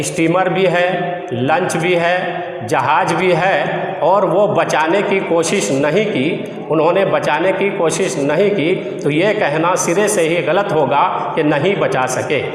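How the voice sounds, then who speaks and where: A man preaching a Muslim sermon in formal, Arabic-laced phrasing, explaining emphatically and with much repetition. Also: fairly high pitch. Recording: very echoey, long reverb.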